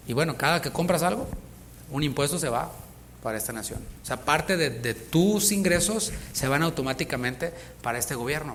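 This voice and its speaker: A man's voice: fairly high pitch, a bit bright, slight background noise. A man preaching a sermon as pastor, speaking with emphasis and putting rhetorical questions to the congregation. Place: church in Houston.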